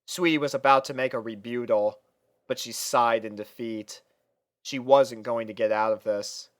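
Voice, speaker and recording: A woman reading fan fiction aloud as an expressive storyteller, delivering scripted narration. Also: a bass voice, moderate pace, dry recording, studio quality.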